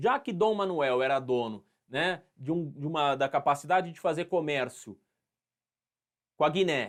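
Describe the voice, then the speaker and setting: Speaking in an interior São Paulo accent, the voice moves at a fairly slow pace with ordinary pitch variation and long, frequent pauses. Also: man, fairly high pitch for a man. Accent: caipira, interior São Paulo. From interior of São Paulo state, Brazil. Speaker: history teacher. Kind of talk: live online lecture. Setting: livestream. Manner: hesitant, frequent repetitions.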